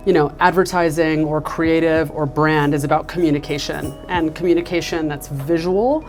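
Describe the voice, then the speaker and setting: A woman with a low, deep-set voice speaks as a marketing executive in an interview. She sounds enthusiastic and uses plenty of casual fillers. Faint music plays behind her. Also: fairly even intonation, moderate pace. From United States. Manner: enthusiastic, fillers like "you know" and "like".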